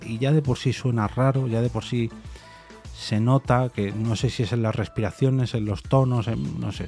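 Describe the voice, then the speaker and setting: A man's voice: medium pitch, warm tone. A man hosting a solo opinion podcast, thinking aloud with many fillers and restarts. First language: Spanish. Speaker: podcast host.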